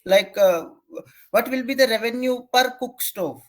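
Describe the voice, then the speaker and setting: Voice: mid-range voice, a little slow. An investor putting questions on an earnings call in a deferential way.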